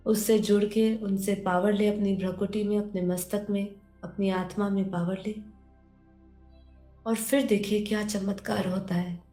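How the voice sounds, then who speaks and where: A woman leading a guided meditation and spiritual teaching in a gentle, instructive manner, often repeating phrases. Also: medium pitch, level tone, a little slow. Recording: roomy echo under background music. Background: music.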